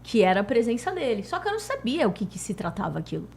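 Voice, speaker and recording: A woman with a Brazilian Portuguese accent from Santos, telling a personal spiritual story in an animated, emotional way on a podcast. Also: on the high side, fast, creaky, a little hiss or hum. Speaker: podcast guest sharing a spiritual experience. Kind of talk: casual chat, storytelling.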